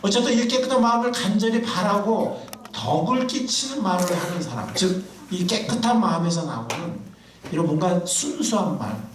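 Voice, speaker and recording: Pastor guy preaching, high and swoopy voice, big echo, mic kinda far. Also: normal speed, a little hiss or hum. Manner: animated, quizzes the congregation. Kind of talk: sermon. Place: church sanctuary. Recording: echoey room, mic far off.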